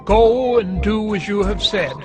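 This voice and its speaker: Casting: a man voicing a solemn old prophet, high and drawn-out, music behind. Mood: reassuring. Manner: slow, earnest, prayerful. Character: earnest old male prophet.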